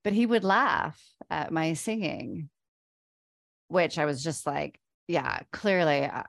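A woman with a notably low voice talks earnestly about her own experience, leaning on fillers as she goes. The sound is close and dry, with no room around her. She is a podcast co-host in casual conversation. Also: lively intonation, slow pace, creaky, fairly bright tone, dry recording. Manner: earnest, personal storytelling with many fillers. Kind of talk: casual chat.

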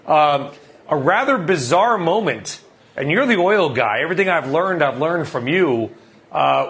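A man anchoring a live news broadcast, talking with a correspondent in an animated, conversational way. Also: on the high side.

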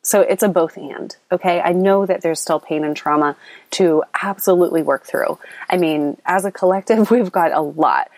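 A low-pitched woman with a slight lilt, hosting a spiritual podcast. She talks earnestly and wanders, with ums and restarts, her voice a bit scratchy. It is recorded close and dry on a recording app. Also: normal speed, dry recording. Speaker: podcast host. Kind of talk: spiritual coaching podcast monologue. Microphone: app recording, close mic.

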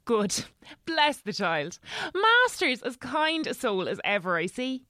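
A homely middle-aged housekeeper in an audio drama. She has a rural English accent and a high, bright voice, chatting and gossiping fondly with very animated pitch. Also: slow pace, dry recording, clean studio sound, exaggerated voice. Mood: fond, reassuring.

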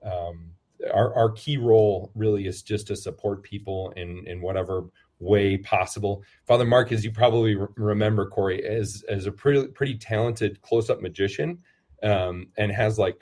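Low-voiced male priest, interview guest, rambling and self-deprecating, lots of ums. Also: darkish tone. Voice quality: lower voice. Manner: rambling, self-deprecating, many fillers and restarts. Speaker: priest and football chaplain. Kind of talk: casual interview answers.

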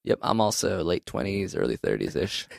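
Animated jokey man, dry close sound. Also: low-pitched, normal speed, vocal fry, no echo. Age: late 20s to early 30s. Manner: playful, jokey, animated delivery. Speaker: podcast co-host. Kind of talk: casual chat.

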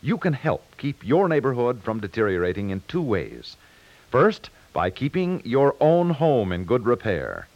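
A man with an American accent reading scripted 1950s radio announcements in a formal, emphatic, measured way. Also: medium pitch, sing-song, dry recording. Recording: muffled 1950s radio broadcast.

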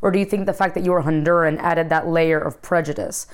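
A woman hosting a casual interview who asks long, probing questions. Her voice is low and smooth and sounds clear. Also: fairly even intonation, fast.

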